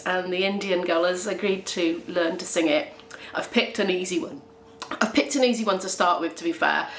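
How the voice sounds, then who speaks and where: A woman's voice: lowish voice, a bit bright. A young woman from Wales chatting casually to camera at home in a rambling, friendly way, laughing often as she talks. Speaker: vlogger. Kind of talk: casual vlog chat to camera. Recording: roomy room with faint background hiss.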